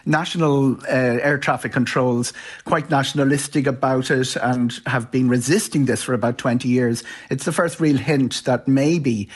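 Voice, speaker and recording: Irish guy on radio news explaining travel stuff, ordinary pitch, bit stop-start and informal. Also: fairly even intonation, moderate pace, slightly rough. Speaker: travel industry commentator.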